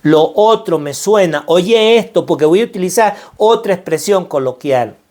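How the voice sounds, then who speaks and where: A middle-aged man with a Venezuelan accent, speaking on financial mindset, uses a high, expressive, slightly mellow voice at a moderate pace. His motivational talk is earnest and preacherly. He leans on repeated phrases for emphasis.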